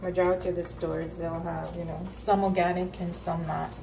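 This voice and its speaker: A woman speaks at a moderate pace with noticeable background noise around her. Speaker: home cook vlogger. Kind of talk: casual vlog chat. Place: kitchen. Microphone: phone near.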